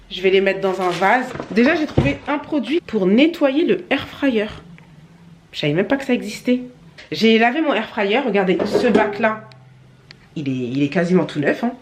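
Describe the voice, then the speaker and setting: A young woman chats into her phone at home, upbeat and slangy, as if talking to close friends. Her voice sits at a middling pitch. There is a faint hiss of background noise behind her. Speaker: vlogger. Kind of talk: casual vlog chat. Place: at home, indoors.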